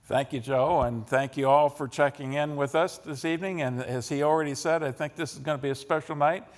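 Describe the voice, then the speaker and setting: A man's voice: a little high, fairly even intonation, a little fast. A man with an American accent hosting an interview, introducing his guest in semi-formal, unscripted talk. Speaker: interview host. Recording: echoey hall with long reverb.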